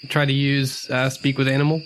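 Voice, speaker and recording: A man chatting casually and haltingly as a player in a tabletop game, with faint night ambience behind. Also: mid-range voice, level tone, fairly bright tone, slight background noise. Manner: halting, hesitant. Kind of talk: casual chat.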